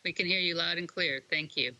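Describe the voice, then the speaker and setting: A senior official giving informal congratulatory remarks in halting phrases with frequent pauses. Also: medium pitch, pushed and bright, no echo. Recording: dull, band-limited link.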